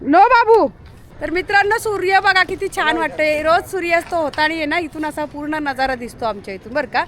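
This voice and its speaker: A woman vlogger, talking to her dog and her viewers in a loud, affectionate, scolding way. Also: sits high, fairly quick, few pauses. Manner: scolding, affectionate, calls out loudly. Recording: busy crowd noise behind.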